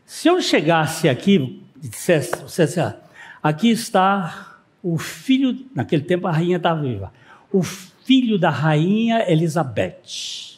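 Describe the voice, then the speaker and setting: A man's voice: a little high, big pitch swings, unhurried. A man preaching a sermon in a church, mixing rhetorical questions with anecdotes told with dry humor. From Northeast Brazil. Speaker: pastor. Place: church sanctuary.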